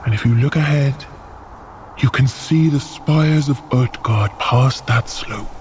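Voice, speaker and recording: Guy acting as frost giant guide, slow n formal, sincere, kinda stiff, ambient noise behind. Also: mid-range voice, a little mellow, natural voice. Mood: matter-of-fact. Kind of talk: audio drama acting. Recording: noticeable outdoor ambience noise.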